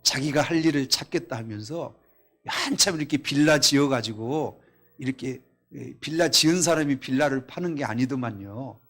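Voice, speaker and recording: A man preaching a Korean sermon at a Friday night service, reading scripture aloud, telling stories and asking the congregation questions, swinging between loud exclamations and quiet asides. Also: medium pitch, moderate pace. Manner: reads scripture in a raised voice. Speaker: pastor. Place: church.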